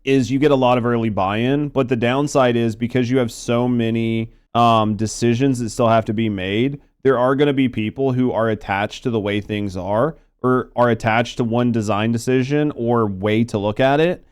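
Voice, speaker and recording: A man with a clear, smooth voice at an average pitch. He gives casual reaction commentary as a video host, thinking aloud in a conversational way and often restarting his phrases. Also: steady tone, moderate pace, hardly any pauses.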